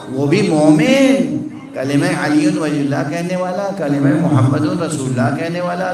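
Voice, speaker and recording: A man's voice: fairly high pitch, slight background noise. A man giving a sermon from the pulpit, teaching step by step and putting questions to the gathering. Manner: teaching, counting along, asking the crowd questions. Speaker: Shia cleric. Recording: echoey hall from far off.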